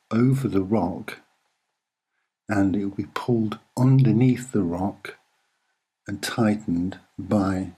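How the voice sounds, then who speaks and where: Male amateur presenter, soft and unhurried, husky edge, deliberate off-the-cuff explanation in short phrases. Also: on the low side. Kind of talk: unscripted soft-spoken commentary over images.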